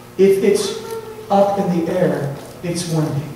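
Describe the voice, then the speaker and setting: Very slow speech with ordinary pitch variation, strong room echo and light background noise. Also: man. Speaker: pastor. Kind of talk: sermon. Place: church.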